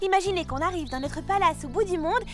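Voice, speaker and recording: A woman voicing an excitable, earnest young girl in an animated children's cartoon, with music behind her. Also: very high voice, fast talker. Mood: earnest, cheerful. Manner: earnest, expressive.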